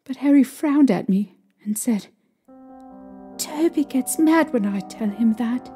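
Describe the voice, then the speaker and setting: A young woman playing a distraught, haunted mother recounting her ordeal emotionally and haltingly in an audio drama. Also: high voice, lively intonation, warm tone, soft background music. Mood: horrified.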